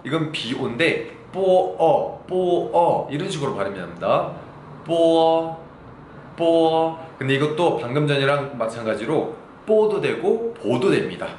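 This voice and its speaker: A male Chinese teacher whose first language is Korean, giving a slow pronunciation lesson and repeating sample syllables several times each. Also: mid-range voice. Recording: echoey room with faint background noise.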